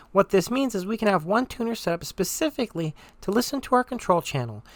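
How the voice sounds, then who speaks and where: A presenter giving step-by-step software tutorial narration in an instructional, conversational manner. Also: medium pitch, no echo.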